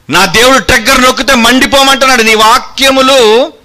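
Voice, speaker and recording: A man's voice: extremely high pitch, normal speed, pushed and bright. A man preaching a fiery sermon, combative and mocking, firing rhetorical questions.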